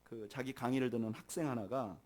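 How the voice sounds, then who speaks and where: A middle-aged man preaching a sermon as pastor, rising loud on key points and dropping soft, and leading the congregation in reading aloud. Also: medium pitch, fairly even intonation, brisk.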